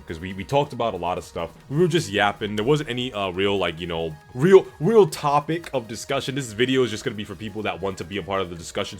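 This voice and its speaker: A man with a fairly low voice chats casually as a livestream host, with music playing behind him. He rambles in slangy, sweary language and leans hard on his points as he responds to viewers. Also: fairly bright tone. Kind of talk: casual gaming stream chat, reading and answering viewer comments. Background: background music.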